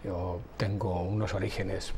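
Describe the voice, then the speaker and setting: Catalan-born man, calm and explanatory. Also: low-pitched, slight background noise. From Catalonia, Spain. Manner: measured, explanatory, with hesitant restarts. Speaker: audiologist guest. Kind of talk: TV interview.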